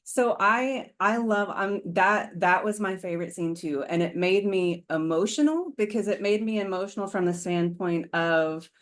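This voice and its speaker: A woman's voice: medium pitch, normal speed, hardly any pauses. A woman co-hosting a casual rewatch podcast, talking earnestly and agreeing readily. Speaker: podcast co-host.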